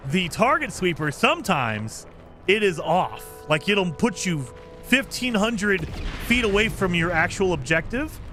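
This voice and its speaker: A man streaming a game live, chatting casually and reading viewer comments, with a voice he calls high-pitched for a man. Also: measured pace, faint music behind. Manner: chatty, lively, self-deprecating.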